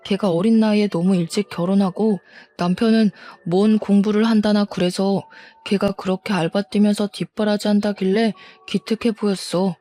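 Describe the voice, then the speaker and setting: A woman voicing a quick-tempered, defensive cheating husband, talking back with contempt and bluster in a storybook drama reading. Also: mid-range voice, steady tone, dark tone, no echo, soft background music, close to an everyday voice. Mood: pleading.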